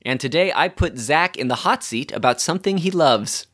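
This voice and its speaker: A man's voice: a little high, expressive, normal speed, fairly bright tone, no echo, studio quality. A man co-hosting a podcast in casual chat, bantering and self-deprecating. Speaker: podcast co-host.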